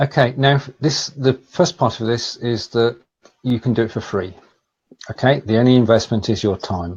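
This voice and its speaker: Somewhat breathy, a man talks at a medium pitch. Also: ordinary pitch variation, moderate pace. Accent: Lancashire. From northern England, Lancashire. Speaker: talk show host. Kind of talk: casual chat. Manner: halting.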